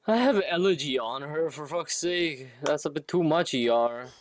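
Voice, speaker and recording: A man's voice: a little high, lively intonation, normal speed. A man chatting casually and a little hesitantly to viewers while live streaming a game.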